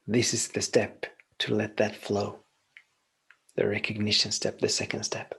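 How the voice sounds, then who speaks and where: A man whose first language is Swedish, hosting a podcast and calmly giving a reflective spiritual teaching monologue, often repeating phrases in long lists. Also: on the low side, measured pace, vocal fry, breathy edge. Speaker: podcast host.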